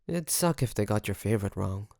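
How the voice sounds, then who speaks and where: Creaky-voiced, secretly obsessive best friend played by a man. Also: fairly low pitch, lively intonation, a little mellow, no echo, studio quality. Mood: casual, coaxing. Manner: hesitant, coaxing, with sighs and pauses. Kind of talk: intimate roleplay audio drama monologue.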